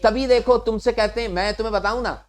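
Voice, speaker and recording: A man's voice: high-pitched, quick pace. A man teaching physics to a class, explaining step by step and often stopping to ask the students questions. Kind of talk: classroom lecture.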